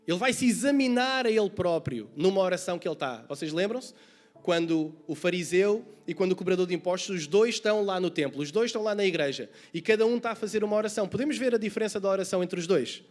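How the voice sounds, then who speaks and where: A man from Portugal with a European Portuguese accent, preaching a sermon as pastor and asking his congregation questions. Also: sits high. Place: church service.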